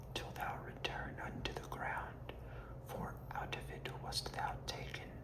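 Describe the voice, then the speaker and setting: Whispering very slowly in a soothing tone, the speaker is accompanied by noticeable background noise. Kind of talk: whispered Bible reading for relaxation. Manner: whispered, soothing.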